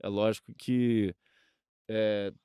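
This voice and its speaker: Male Brazilian interview guest, informal and hesitant explainer, smooth tone, close dry recording. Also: fairly low pitch, level tone, slow pace, warm tone, no room sound. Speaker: guest radio researcher. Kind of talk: casual interview talk.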